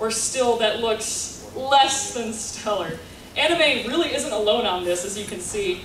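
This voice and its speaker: With an American accent and lively intonation, a woman speaks amid audible room echo and noticeable background noise. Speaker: convention panel presenter. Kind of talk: convention panel presentation. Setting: stage with audience. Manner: casual, many fillers.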